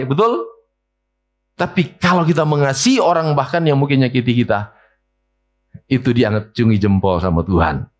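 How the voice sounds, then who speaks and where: Pastor preaching lively. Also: male voice. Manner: lively preaching, asks the congregation questions; mimics whiny complaints in a high voice. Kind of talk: sermon. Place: church hall.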